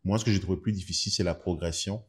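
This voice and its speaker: A man hosting a podcast, interviewing a guest with quick questions and brief agreeing asides. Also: deep voice, steady tone. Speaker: podcast host. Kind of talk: interview conversation.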